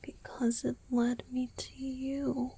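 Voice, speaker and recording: A woman voicing a tender romantic young male vampire boyfriend in a gentle, breathy whisper for an ASMR roleplay. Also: high-pitched, level tone, voice pushed up, full character voice. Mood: tender, devoted. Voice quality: breathy, airy. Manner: slow, gentle, intimate.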